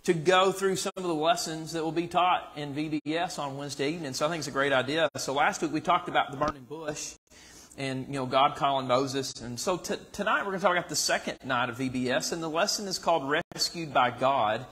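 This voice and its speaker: A man's voice: fairly high pitch, brisk, a bit bright. A man in his thirties with a Southern US accent, teaching a church Bible study in a casual way with many fillers and restarts, recorded from the pews. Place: church sanctuary. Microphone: far camera in the pews.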